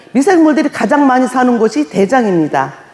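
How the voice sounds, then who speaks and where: A woman speaks high and animated, her pitch swinging very widely. Noticeable background noise is present. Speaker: network marketing presenter. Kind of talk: sales pitch.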